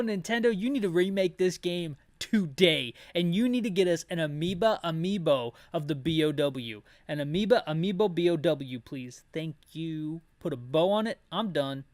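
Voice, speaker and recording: A man's voice: fairly high pitch, expressive, unhurried, no echo, studio quality. A man giving casual, joking commentary on a game playthrough, with playful slangy asides as he reads dialogue aloud. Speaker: host of a video game playthrough with audio description.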